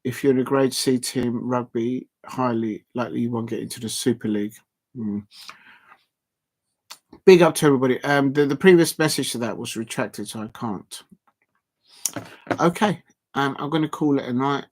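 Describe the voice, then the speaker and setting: Male football streamer, casual late-night sign-off, filler-heavy ramble, ordinary middle pitch. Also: moderate pace, pauses often. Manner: rambling, filler-heavy, reading out chat shout-outs. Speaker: football watch-along streamer. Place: at home at night with a TV on.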